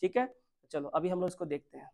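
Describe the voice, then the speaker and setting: A man with an Indian accent teaching an exam-prep grammar lesson, repeating points and putting questions to his students, and reading English sentences out slowly word by word. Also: high-pitched, expressive, vocal fry, darkish tone.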